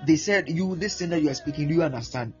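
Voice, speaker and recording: Ghanaian male preacher, fairly high voice, halting and repetitive delivery, lo-fi recording. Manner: repeats words, animated, acts out prayers and voices. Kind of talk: teaching sermon. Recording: muffled lo-fi with faint music.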